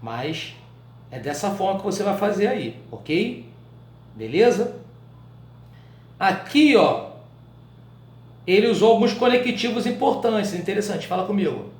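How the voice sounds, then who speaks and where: A Brazilian man with a fairly high voice teaches a writing class. He talks in a loose, colloquial way and keeps tossing quick check-in questions to his students. The sound is echoey, as if from a bare room. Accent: Brazilian Portuguese. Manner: colloquial, animated explaining. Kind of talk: live online writing class.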